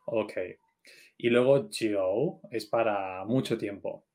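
A man's voice: on the low side, slow, a little mellow. A man co-hosting a Chinese lesson podcast, asking questions and checking what he has understood in casual chat. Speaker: co-host of a Chinese learning podcast.

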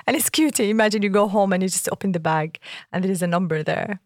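A woman's voice: fast talker, no echo, clean studio sound. A woman from Saudi Arabia co-hosting a podcast, telling stories animatedly and laughing often. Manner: animated storyteller, laughs often, lively pitch jumps. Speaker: podcast co-host. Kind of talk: casual podcast conversation.

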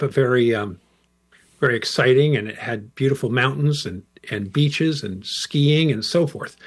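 A middle-aged American man, a professor and interview guest, answering in a relaxed, rambling way with fillers. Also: medium pitch. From United States.

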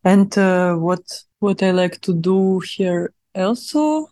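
Young Russian-accented woman, relaxed interview guest, mid pitch, dry. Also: dry recording. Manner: halting English with frequent fillers and laughs. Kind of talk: casual interview chat.

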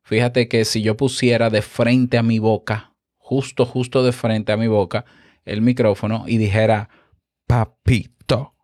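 A man's voice: on the low side, moderate pace, no echo. Man teaching podcast craft, dry close mic. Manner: animated, explanatory, checks in with the listener often. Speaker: podcast host and instructor. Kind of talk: instructional podcast talk. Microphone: close studio microphone with compressor.

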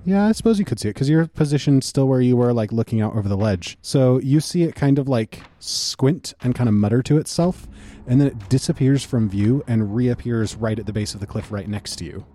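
A man running a tabletop game as game master, calmly describing the action and explaining the rules. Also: medium pitch, fairly quick.

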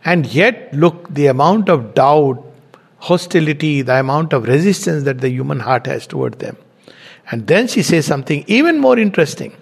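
A man giving a spiritual commentary, reading quoted passages slowly and then commenting with rising emphasis. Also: fairly high pitch, expressive, creaky, slightly rough. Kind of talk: reflective spoken commentary on scripture.

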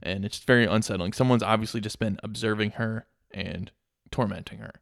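Halting man in a dry, close recording. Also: fairly low pitch, steady tone, gravelly, dry recording. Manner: halting, thoughtful, many fillers. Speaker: podcast co-host. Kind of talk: casual movie recap chat.

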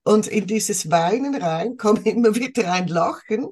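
A woman's voice: mid-range voice, animated, measured pace, a little mellow, breathy edge. A woman, a podcast co-host and coach, telling a story with emphasis in a casual chat.

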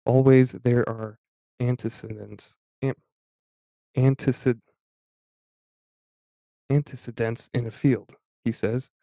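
A man hosting a podcast, talking in a halting, casual way and often stopping to restart his sentences. His pitch stays level with little movement, and his voice has a mellow, dark tone. The recording is close and dry. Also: fairly even intonation, gravelly, no echo. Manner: halting, many fillers and restarts. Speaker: podcast host. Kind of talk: casual talk reading aloud from an article.

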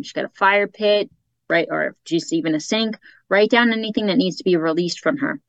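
A woman's voice: fairly low pitch, fairly bright tone, no echo, dull audio. A woman with a Boston accent, a psychic guest chatting casually about her offerings and readings. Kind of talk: casual chat.

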